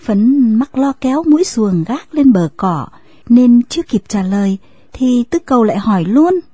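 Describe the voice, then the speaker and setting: A woman narrating an audio story in a measured reading voice. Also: on the high side, lively intonation, mellow, slightly rough, dry recording.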